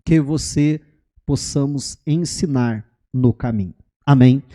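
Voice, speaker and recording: A man's voice: mid-range voice, takes it slowly. A male pastor preaching a sermon in church, telling a story and often checking in with the congregation. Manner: animated storytelling, keeps asking the congregation "né?" and "amém". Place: church during a live service.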